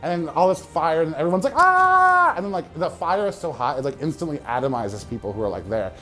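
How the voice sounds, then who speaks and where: A man in casual year-in-review chat, retelling TV scenes in an animated way with shouted sound effects. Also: on the high side, fast, soft background music. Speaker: comics commentator.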